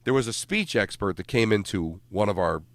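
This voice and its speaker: A man in his fifties from New Jersey, co-hosting a sports radio show in a studio, self-deprecating and halting, with many restarts. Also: lowish voice, expressive, no echo. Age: 50s. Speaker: radio co-host. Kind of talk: casual sports radio banter. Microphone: studio microphone.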